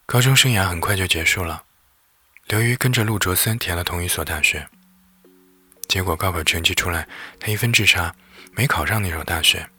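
A man narrating a lighthearted bedtime story in a gentle, lively way. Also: sits low, brisk, slightly rough. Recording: faint background music.

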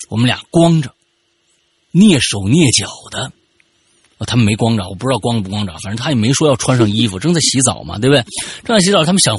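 A man hosting a podcast, telling a personal story casually, animated and stammering when excited. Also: mid-range voice, breathy edge, no echo.

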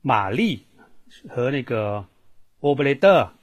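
Fields: Sex: man. Pitch: middle. Role: teacher. Style: online voice lesson. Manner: chatty, questioning. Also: big pitch swings, slow. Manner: chatty, repeats himself, asks the class questions. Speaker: Thai language teacher. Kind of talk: live online language lesson.

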